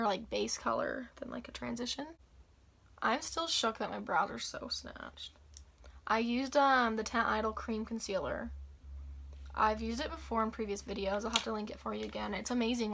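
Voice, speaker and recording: A young woman with a raspy, slightly hoarse voice after the flu, chatting casually through a makeup tutorial. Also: on the high side, a bit bright, slight background noise. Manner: chatty, upbeat, filler-heavy. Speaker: beauty vlogger.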